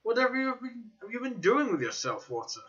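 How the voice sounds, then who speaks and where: A man voicing an amiable, astonished, gossipy young gentleman in a dramatic audiobook, with an exclamatory, inquisitive way of talking. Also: very high voice, very animated, fairly quick, dull audio, voice pushed up, full character voice. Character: young Stamford, amiable, astonished, gossipy male old acquaintance.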